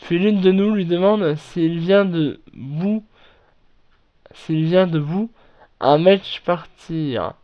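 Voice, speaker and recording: A man reading internet horror stories aloud and then commenting on them, in a halting way with frequent restarts and self-corrections. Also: high-pitched. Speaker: online horror story narrator. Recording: dull lo-fi recording.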